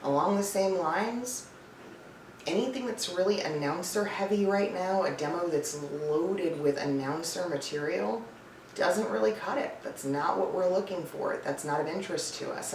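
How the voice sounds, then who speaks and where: A low-voiced woman, a voice-over coach and casting professional, gives a tips-list advice video directly to camera in an emphatic, conversational, blunt manner. She's indoors with a cat nearby, and the distant mic captures a roomy sound with some background noise.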